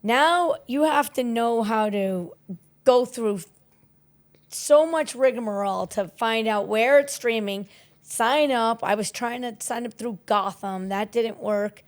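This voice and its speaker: A woman's voice: fairly high pitch, slow. A woman with an American accent chatting casually as a co-host. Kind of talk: casual chat.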